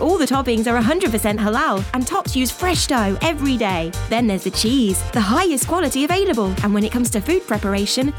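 Woman doing an upbeat radio ad, lively pitch, music clearly under it. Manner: upbeat, bouncy sales reading. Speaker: radio ad voice-over. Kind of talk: scripted radio advert.

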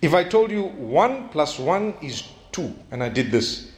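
A man preaching an Islamic sermon. He tells stories animatedly, acts out bits of dialogue and slows down to stress his key points. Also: on the high side. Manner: animated storytelling, acting out quoted dialogue.

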